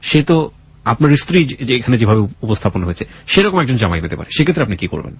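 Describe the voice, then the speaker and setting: A man's voice: medium pitch, sing-song, quick pace, a little hiss or hum. A man with a Bangladeshi accent hosting a radio show, speaking earnestly and emphatically with dramatic phrasing. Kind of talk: radio storytelling and interviewing. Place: radio studio.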